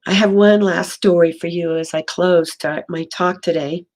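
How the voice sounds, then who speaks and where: A woman minister giving a gentle, storytelling sermon in a slightly hoarse voice, slowing and softening for emphasis. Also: on the low side, fairly even intonation. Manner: gentle storytelling, slows and drops to near whisper for emphasis. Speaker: interim minister. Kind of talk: sermon talk.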